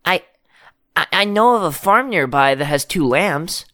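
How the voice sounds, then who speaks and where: A woman's voice: lowish voice, lively intonation, a little slow, fairly bright tone, no echo, studio quality. A woman voicing a small, sly male fox in a children's cartoon story, nervous and eager to please.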